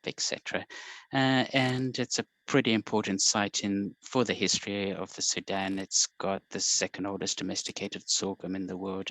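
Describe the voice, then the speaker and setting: A man in his forties with a South African accent, speaking as a guest on a video call interview in a measured, explanatory way. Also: fairly low pitch, a bit bright, no room sound, low-quality recording. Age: 40s. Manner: measured, explanatory, with frequent ums and uhs.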